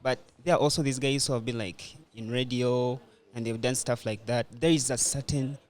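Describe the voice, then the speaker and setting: A man speaks at an average pitch in a casual podcast discussion. His delivery is conversational and informal. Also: fairly even intonation, moderate pace.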